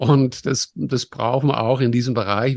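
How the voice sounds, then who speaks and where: Over a quiet background, a man of medium pitch talks at a moderate pace with fairly even intonation. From Netherlands. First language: Dutch (speaking German). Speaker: AI consultant. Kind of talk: interview. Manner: halting, many fillers.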